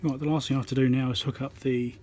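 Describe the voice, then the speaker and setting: In an informal hands-on tutorial, an electronics repairer thinks aloud while working, matter-of-fact throughout. He talks fast in a flat, mid-range, slightly mellow voice, recorded on a tripod-mounted phone with slight background noise.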